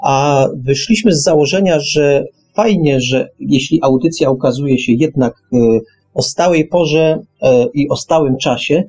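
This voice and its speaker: A man co-hosting a radio show in casual talk, explaining things haltingly and often repeating his phrases. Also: fairly high pitch, darkish tone, faint music behind.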